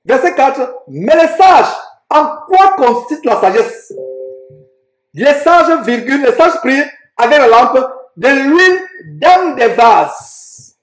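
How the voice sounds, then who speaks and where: Man, preacher, high-pitched, emphatic, rhetorical questions, echoey room. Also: very animated, slow pace. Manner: emphatic, rhetorical questions, reads verses aloud. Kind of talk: sermon teaching on Bible verses.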